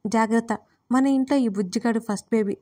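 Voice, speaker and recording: A woman voicing a heartbroken young woman who speaks to her older sister gently and teasingly. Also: fairly high pitch, fairly quick, no room sound, studio quality, close to an everyday voice. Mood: soothing.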